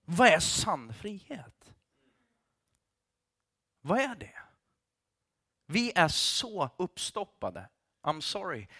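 A man preaching a sermon with passion, at times raising his voice to a near shout and dropping English phrases into his talk. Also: high-pitched, very animated, long pauses, breathy edge. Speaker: pastor.

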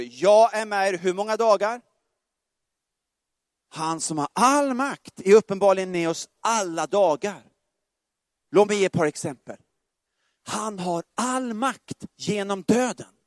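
Animated high-voiced male preacher. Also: no echo, studio quality. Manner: animated, swings between loud exclamations and soft slow phrases; asks the congregation questions and jokes. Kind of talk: sermon.

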